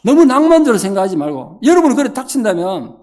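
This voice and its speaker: A man's voice: high voice, fast talker. A middle-aged man, preaching a revival sermon and telling stories, acting out the quoted lines. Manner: animated storytelling, acting out quotes. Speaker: pastor.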